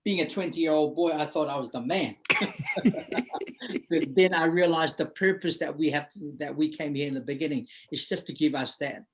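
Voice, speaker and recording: Earnest man from Samoa, higher voice. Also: moderate pace, background noise. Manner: earnest, reflective, frequent you-know fillers. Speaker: guest. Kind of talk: webinar interview. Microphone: video call.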